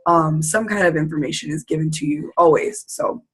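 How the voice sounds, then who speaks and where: A woman with a hoarse, fading voice, leading a casual, upbeat team call over video and repeating her points for emphasis. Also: deep voice, a little fast, faint music behind. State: losing her voice, sore throat. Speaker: team leader.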